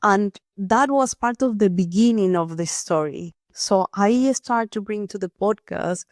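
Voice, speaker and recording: A woman's voice: mid-range voice, unhurried, a little mellow, no echo, studio quality. Earnest woman host, nonnative phrasing. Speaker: podcast host, here the guest. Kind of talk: reflective personal storytelling.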